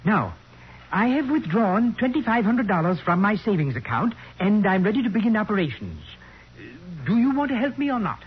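A man's voice: sits high, sing-song, moderate pace, slightly rough, heavily acted. An actor playing a prim henpecked professor in his fifties, speaking formally and precisely in 1940s radio style. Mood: stubborn, polite. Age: 50s. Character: prim henpecked middle-aged male professor, naive and stubborn. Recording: muffled old radio recording with hiss.

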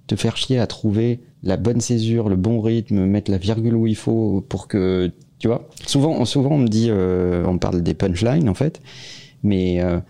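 A man's voice: lowish voice, measured pace, gravelly, dark tone. A man co-hosting a casual podcast, chatty and teasing, with frequent hesitations. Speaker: podcast co-host.

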